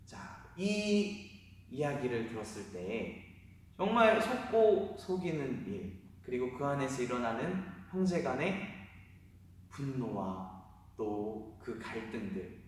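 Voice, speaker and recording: A pastor, a man, telling a Bible story as a children's sermon, animated and often asking the listeners questions. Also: mid-range voice, slow. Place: church sanctuary. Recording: echoey hall from far off.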